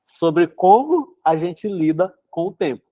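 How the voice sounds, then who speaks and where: A man's voice: high voice, big pitch swings, measured pace, warm tone, dry recording. A young man, congested with a cold, hosting a book club in a chatty, casual way and often adding "né?". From São Luís, Brazil. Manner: chatty, filler-heavy, frequent "né?". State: congested with a cold, runny nose. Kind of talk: casual live-stream talk and reading aloud.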